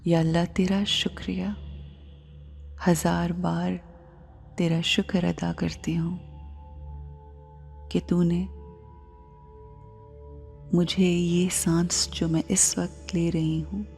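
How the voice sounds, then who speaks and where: A woman with a South Asian accent guides a meditation in a low-leaning, mellow voice. She speaks softly and with measured care, her phrases fading toward a whisper. Music plays behind her. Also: little pitch movement. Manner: measured, hushed, with phrases trailing into breathy near-whisper. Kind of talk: slow, soft Islamic guided meditation. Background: music bed.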